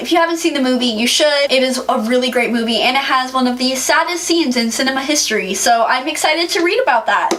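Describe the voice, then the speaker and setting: A woman with a high pitch and ordinary pitch variation is heard with noticeable background noise and audible room echo. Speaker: book youtuber. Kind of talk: casual vlog talk to camera. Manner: animated.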